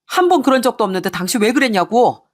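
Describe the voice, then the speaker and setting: A woman's voice: fairly high pitch, very animated, fast, pitched above the performer's own voice. A woman voicing an exasperated young husband who demands answers from his wife. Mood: angry.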